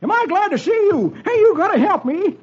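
A man voicing a panicky, excitable old male wagon driver in a radio comic reading, yelping his lines. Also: extremely high pitch, a little fast, voice pushed up. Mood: agitated. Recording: dull old radio broadcast, faint hiss.

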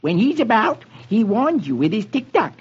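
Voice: mid-range voice, big pitch swings, moderate pace, breathy edge, voice pushed up. A performer voicing an eager male pirate sidekick who explains things helpfully, on a dull old radio recording.

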